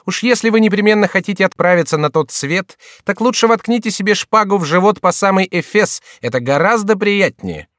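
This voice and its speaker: A man voicing a shrill, sneering male court jester in a storybook reading. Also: expressive, fairly quick, few pauses, fairly bright tone, no echo, clean studio sound. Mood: mocking.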